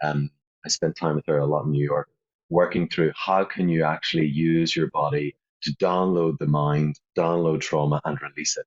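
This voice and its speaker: Very deep, low-pitched man in a Northern Irish accent, monotone and flat, at a moderate pace. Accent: Northern Irish (Belfast). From Northern Ireland, Belfast. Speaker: wellness entrepreneur and meditation teacher. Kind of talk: podcast interview.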